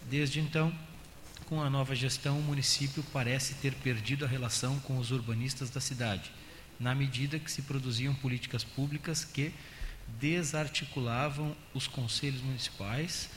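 A man with a Brazilian accent reading council motions aloud in a steady, measured official tone. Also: mid-range voice. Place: council chamber. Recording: echoey chamber audio with faint hiss.

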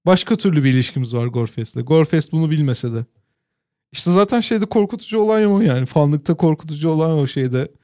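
Guy with a high voice rambling through a funny story, dry close sound. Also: animated, dark tone, no echo. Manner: drawn-out comic storytelling. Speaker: podcast co-host. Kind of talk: casual chat.

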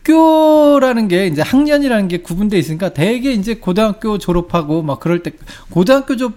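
A man's voice: high-pitched, animated, a little fast, warm tone. A Korean man in his forties explaining things in a casual chat and acting out short dialogues. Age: 40s. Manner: explanatory, acts out little dialogues.

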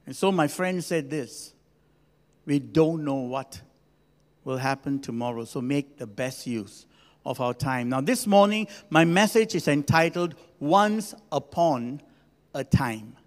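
Guy around 60, pastor giving a sermon, kinda high voice, chatty w/ big pauses, lots of hall echo. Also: lively intonation. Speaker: senior pastor. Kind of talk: sermon to a congregation. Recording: long hall reverb.

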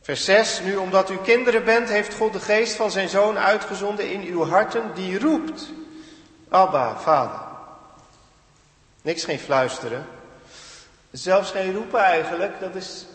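A man preaching in a church, his fairly high voice carrying with long reverb through the hall. He speaks earnestly, building to emphatic peaks before dropping back to a quiet, reflective tone. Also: moderate pace. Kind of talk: sermon.

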